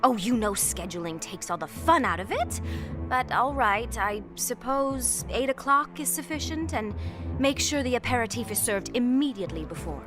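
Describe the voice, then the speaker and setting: A wealthy 1950s hostess, played by a woman holds court in an audio drama. Her voice is fairly high and sweeps up and down, grandiose, vain and affected, with music behind her. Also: expressive, moderate pace, close to an everyday voice. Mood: startled, imperious.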